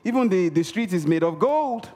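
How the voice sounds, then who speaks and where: A man's voice: sits high, expressive, moderate pace, a little mellow. Emphatic male preacher in a reverberant hall. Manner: emphatic, repeats key words for effect; calls for audience response. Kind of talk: sermon. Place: church hall.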